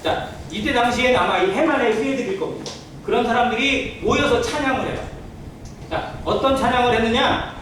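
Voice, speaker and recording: A man's voice: extremely high pitch, brisk, fairly bright tone. A man preaching as a pastor in a church sermon, earnestly explaining and putting rhetorical questions to the congregation. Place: indoor church sanctuary. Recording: very echoey church hall, distant mic, faint noise.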